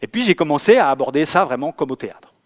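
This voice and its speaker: A fairly high-voiced man gives a talk about staging, telling stories from rehearsals with lively acted-out moments. He often hesitates and repeats words as he searches for the next phrase. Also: fast. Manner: lively storyteller who acts out scenes. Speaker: theatre director. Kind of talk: lecture with anecdotes.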